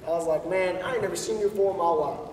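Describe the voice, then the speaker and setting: A man's voice: high-pitched, racing, darkish tone, a little hiss or hum, natural voice. An actor playing a rowdy, drunk rural man who taunts and brags crudely. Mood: boastful. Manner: taunting, crude, swaggering storyteller. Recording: echoey hall, far from the mic.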